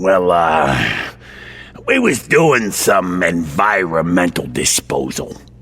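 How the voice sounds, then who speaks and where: A man does a put-on character voice, raspy and very deep and low in pitch. He speaks at a very slow pace over light background noise. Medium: audio drama. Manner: hesitant, ungrammatical street talk.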